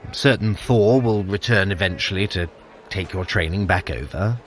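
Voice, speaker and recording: A man's voice: sits low, normal speed, lightly acted. A man playing a smug, vain trickster god in an audio adventure, theatrical and condescending as a grudging mentor. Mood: grudging, dismissive. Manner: theatrical, self-satisfied, condescending. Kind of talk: scripted audio adventure acting.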